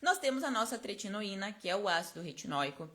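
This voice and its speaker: A woman's voice: medium pitch, big pitch swings, fast, a bit bright. A woman teaching a live online class, chatty and explanatory, tagging her points with constant little check-in questions, close to her microphone. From Brazil. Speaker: esthetics course instructor. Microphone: close personal microphone.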